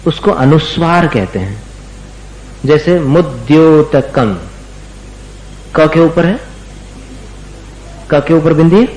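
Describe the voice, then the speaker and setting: A man's voice: on the high side, expressive, darkish tone, echoey room, slight background noise, rough recording. A man giving a religious lesson on recitation, patiently drawing out words so listeners can copy them. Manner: patient, repeats words slowly for students to copy. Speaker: religious teacher.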